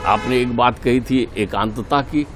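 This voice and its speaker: A man's voice: medium pitch, a little slow, noisy background. A middle-aged man giving a spiritual talk as a guest in a TV interview, earnest and preaching, repeating key points for emphasis.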